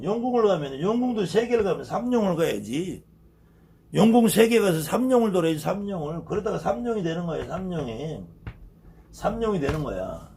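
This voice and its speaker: A man teaches in a loose, conversational way, often circling back with rhetorical questions. His voice sits a little high and swings widely in pitch. Faint noise hums under the recording. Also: a little mellow. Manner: explains patiently, asks rhetorical questions, repeats key words. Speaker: shaman teacher. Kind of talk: casual spoken lecture.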